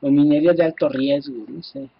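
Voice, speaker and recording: A Mexican man commentates his game for his viewers, excitable and quick to swear. His voice is husky and sits a little high. The sound is dull and lo-fi, like a cheap home microphone. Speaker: gameplay commentator. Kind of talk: casual let's-play commentary.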